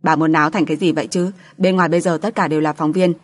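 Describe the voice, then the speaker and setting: A female narrator plays a hot-tempered husband in a storybook drama. He is brusque and defensive, scolding with indignation in a low register for a woman. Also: steady tone, racing. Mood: angry.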